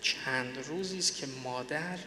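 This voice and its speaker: A preacher quoting a humble old scholar. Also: male voice, fairly high pitch, sharp tone, long reverb tail, a little hiss or hum. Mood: calm, hospitable. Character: humble old male religious scholar, calm.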